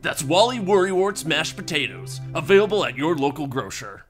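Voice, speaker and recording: A man playing a corny, gushing pitchman in a parody product advertisement. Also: sing-song, normal speed, faint music behind. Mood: salesy enthusiasm. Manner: gushing, salesy. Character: peppy, corny mock-commercial pitchman selling to moms.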